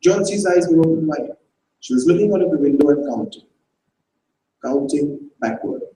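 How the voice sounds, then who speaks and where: Dark-voiced man reading a story live. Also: a little high, moderate pace. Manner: expressive, with restarts. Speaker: reader. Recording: roomy live hall, distant mic.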